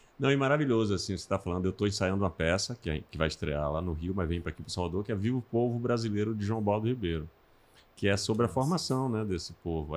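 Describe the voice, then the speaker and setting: A man is speaking. He talks at a very fast pace. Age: 50s. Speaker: podcast host and actor; podcast host, actor. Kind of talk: casual interview chat. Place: studio. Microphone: studio mic.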